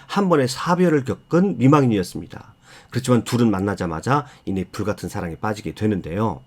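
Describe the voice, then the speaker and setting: A man giving an explanatory, storytelling lecture on literature, speaking in measured, emphatic phrases with polite endings. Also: medium pitch. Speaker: book narrator and lecturer.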